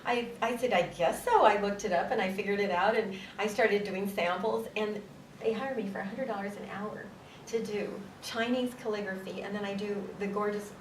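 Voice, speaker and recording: A woman's voice: medium pitch, steady tone, normal speed, a little hiss or hum. A woman guest on a talk show, animatedly telling stories and laughing often. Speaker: guest, calligrapher and actress. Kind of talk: casual talk show chat. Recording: roomy, distant from mic.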